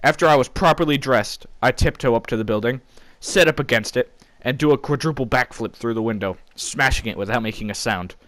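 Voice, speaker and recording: A man's voice: mid-range voice, a little fast, a bit bright, dry recording. Man telling a comic story, dry sound. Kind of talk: informal comedic storytelling.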